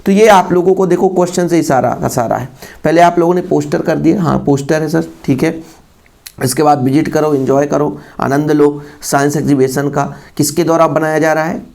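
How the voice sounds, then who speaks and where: A male teacher giving an exam-prep lesson to students, with a gravelly voice and an Indian accent when he reads English, repeating phrases and asking rhetorical questions. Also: a little high, brisk, darkish tone.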